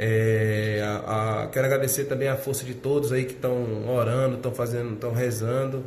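A man speaks at a moderate pace with a medium pitch and flat, monotone intonation. Audible room echo and noticeable background noise surround his voice. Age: 30s. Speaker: hospital worker. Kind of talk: video statement. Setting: at home.

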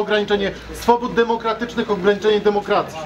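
Over noticeable background noise, a man with a high pitch speaks at a very fast pace. His intonation is monotone and flat. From Poland. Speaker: rally organizer and speaker. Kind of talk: rally speech. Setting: outdoors at a public protest with crowd. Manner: formal, earnest, urgent; rallying, emphatic, repetitive. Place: street.

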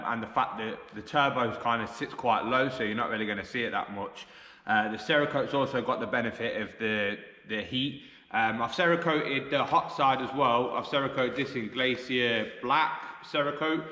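A man speaks at a moderate pace with ordinary pitch variation, with audible room echo and a quiet background. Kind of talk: casual vlog update. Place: workshop. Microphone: camera far.

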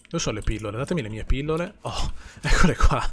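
Fairly quick, somewhat breathy speech from a man, with very wide pitch swings. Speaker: gaming streamer. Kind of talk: casual chat. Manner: animated. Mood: joking, playful. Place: home room. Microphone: new wireless headset.

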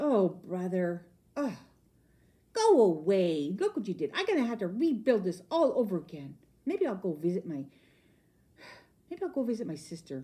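A woman with a medium pitch uses a cartoonish character voice at a moderate pace, leaving long, frequent pauses. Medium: puppet.

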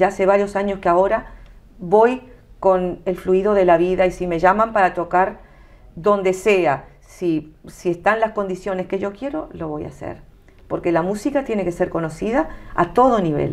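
A woman with a Uruguayan accent speaks at a moderate pace and medium pitch, with ordinary pitch variation. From Uruguay, raised in Rio Branco on Brazil border. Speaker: concert pianist. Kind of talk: interview. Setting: television studio. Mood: calm, reflective. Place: studio. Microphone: lapel.

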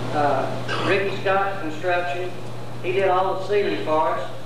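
A man speaks at a moderate pace. The recording carries strong room echo and noticeable background noise. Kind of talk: public speech, acknowledgements. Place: hall. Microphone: camera far.

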